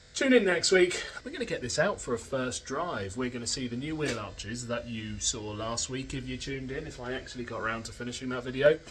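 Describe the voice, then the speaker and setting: In an English accent, a man talks at a medium pitch with ordinary pitch variation and big swings in loudness. Noticeable background noise is present. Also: fairly quick pace. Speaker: amateur racing driver and channel host. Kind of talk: casual vlog to camera. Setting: garage. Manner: animated.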